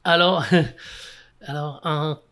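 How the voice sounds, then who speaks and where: A French-speaking man from Quebec, a football coach, telling stories in a casual interview, animated and full of fillers and restarts. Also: a little high, extremely slow. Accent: Québécois French.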